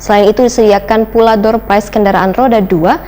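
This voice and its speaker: A woman's voice: medium pitch, fairly even intonation, brisk, mellow, slight background noise. A woman with a Banjar accent from South Kalimantan presenting news from a script.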